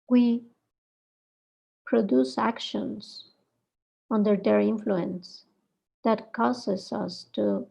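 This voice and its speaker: Slow, gravelly woman guiding meditation. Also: mid-range voice, poor audio. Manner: gentle, unhurried, pausing between short phrases. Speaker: meditation guide. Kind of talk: guided meditation, gentle dharma teaching.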